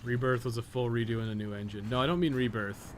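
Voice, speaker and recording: A man's voice: mid-range voice, fairly even intonation, quick pace, a little hiss or hum. A man chatting casually on a live game stream, rambling through blunt opinions with plenty of swearing. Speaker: game streamer and podcast host.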